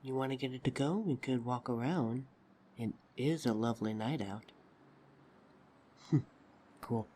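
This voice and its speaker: A woman's voice: very deep voice, warm tone, slight background noise. A woman playing a shy, flustered, affectionate date in an intimate, hesitant romantic ASMR roleplay. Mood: relaxed, friendly. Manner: awkward, hesitant, halting delivery. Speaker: audio roleplay voice actor.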